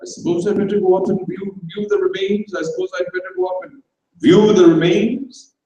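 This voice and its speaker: A man reading aloud, voicing a cheerful, flippant young upper-class gentleman in a jaunty, breezy way. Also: sits high, expressive, brisk, lo-fi sound, voice pushed up. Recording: echoey hall, far from mic.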